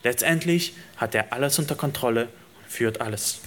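Earnest preacher building repeated phrases. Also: male voice, medium pitch, moderate pace, fairly bright tone. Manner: earnest and direct address to listeners. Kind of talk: sermon.

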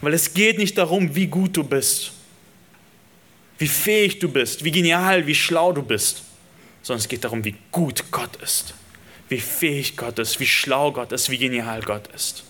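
Earnest preacher building repeated phrases. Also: male voice, on the high side, unhurried, bright, forceful tone. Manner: earnest and direct address to listeners. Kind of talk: sermon.

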